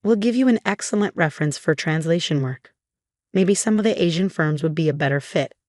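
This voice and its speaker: A man's voice: a little high, lively intonation, brisk, darkish tone, no echo, studio quality, natural voice. A woman voicing a condescending male company boss in a narrated story. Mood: dismissive. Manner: patronizing, smooth.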